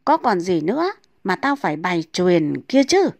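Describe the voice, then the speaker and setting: A woman's voice: lowish voice, sing-song, normal speed, creaky, a little mellow, heavily acted. A woman voicing an old retired thief who brushes off his son in a folksy, dismissive way.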